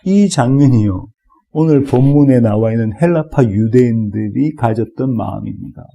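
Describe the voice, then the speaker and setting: A man's voice: mid-range voice, lively intonation, moderate pace, creaky, mellow. A male pastor preaching an expository sermon in a church, reading scripture and voicing the biblical figures with rising intensity.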